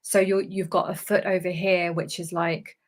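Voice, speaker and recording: A woman speaking as a spiritual medium in a live channeling session, relaying guidance in a halting, emphatic way with repeated phrases. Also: lowish voice, little pitch movement. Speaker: spiritual channeler relaying messages from guides to viewers.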